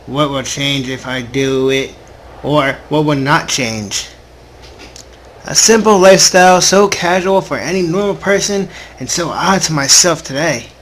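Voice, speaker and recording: Higher-voiced young man, noisy recording. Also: fairly bright tone. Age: young adult. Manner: informal, stumbles when reading aloud. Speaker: gaming video host. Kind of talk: casual let's play, reading visual novel text aloud with asides.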